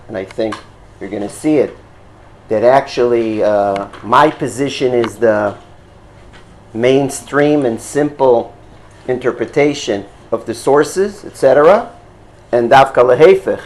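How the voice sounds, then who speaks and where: A male rabbi with an Israeli accent teaches in English as a non-native speaker. He lays out his points patiently but haltingly, filling gaps with "uh" and checking in with "okay?". His voice sits at an ordinary middle pitch. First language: Hebrew. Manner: halting, with frequent fillers and checks for understanding. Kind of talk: explanatory lecture.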